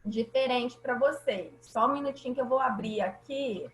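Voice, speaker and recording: High-voiced woman teacher explaining patiently. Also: moderate pace, echoey room, slight background noise, low-quality recording. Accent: Brazilian Portuguese. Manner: patient, affectionate with students, checks understanding often. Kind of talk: online class explanation.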